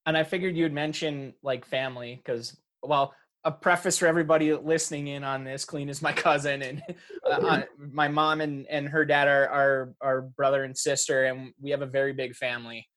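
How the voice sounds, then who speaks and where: A man hosting a casual interview podcast, from Michigan's Upper Peninsula, talking in a relaxed, rambling way full of restarts. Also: mid-range voice, moderate pace. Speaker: podcast host.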